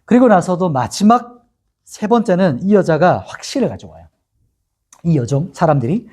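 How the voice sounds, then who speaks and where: Male pastor, middle-aged, Gyeongsang-raised, husky and mellow, dramatic storyteller. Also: high voice, moderate pace. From Gyeongsang region, Korea. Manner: animated storytelling, acting out quoted lines. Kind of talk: sermon.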